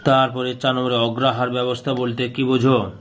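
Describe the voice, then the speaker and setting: A man's voice: mid-range voice, monotone, fairly quick, a bit bright. A man teaching by reading out questions and answers, repeating phrases as if dictating. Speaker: history teacher solving an exam paper.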